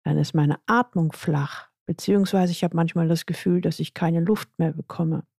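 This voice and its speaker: A woman's voice: on the low side, steady tone, normal speed, gravelly, dark tone, husky, dry recording, studio quality. A woman voicing a stressed, frustrated female executive with tense, exasperated complaints, in a plain reading voice. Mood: reflective.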